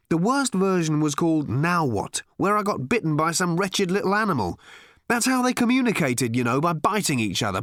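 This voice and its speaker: Anxious bewildered Englishman, voiced by a male narrator, high and insistent. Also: a bit bright, no room sound, studio quality.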